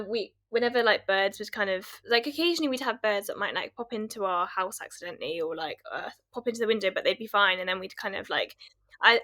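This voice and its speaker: A young woman from North Yorkshire, a guest on a podcast, talking about her art in a bright, clear voice. She chats casually and cheerfully and laughs easily between her sentences. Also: medium pitch. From North Yorkshire, England. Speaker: guest, wildlife artist. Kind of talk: casual interview chat. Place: home room.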